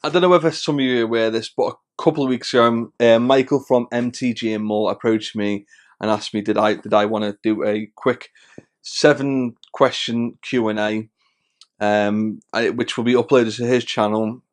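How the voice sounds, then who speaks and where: This medium-pitched male voice keeps a steady tone and a moderate pace. The speaker is a friendly thirty-something hobby-channel host from the Wirral, England, talking casually to camera in a Scouse-tinged accent and often restarting or using fillers.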